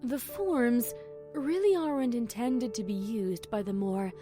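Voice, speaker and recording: A woman playing a calm pony princess, measured, patient and gently wry, in an audio fan story. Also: fairly high pitch, over music, close to an everyday voice. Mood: patient, explaining.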